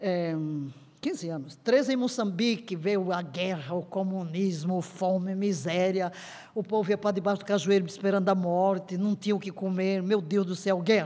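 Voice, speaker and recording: Moderate speed, a dark and mellow tone, and ordinary movement in pitch. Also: woman, medium pitch for a woman. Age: 70s. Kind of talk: podcast conversation, testimony.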